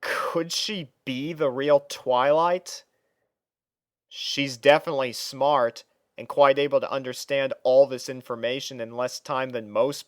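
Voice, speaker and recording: A man's voice: mid-range voice, smooth, dry recording, studio quality. A man reading a first-person fan fiction story as narrator, dramatising the character's thoughts.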